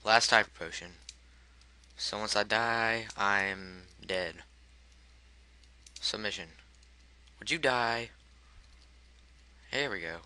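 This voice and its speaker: A man's voice: fairly low pitch, slow pace, long pauses, pushed and bright, clear, resonant tone. A man commentating his own gameplay, frustrated and swearing at the game while muttering the menu choices he picks, his voice cracking. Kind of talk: let's play commentary.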